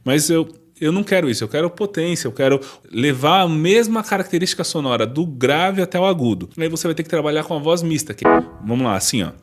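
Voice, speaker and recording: A man gives a singing lesson, speaking straight to his viewers as he explains vocal registers. His speaking voice sits a little high for a man. Faint music plays behind him. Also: expressive, quick pace. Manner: explanatory, addresses viewer directly, demonstrates registers. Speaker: singing teacher. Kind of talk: vocal lesson with sung demonstrations.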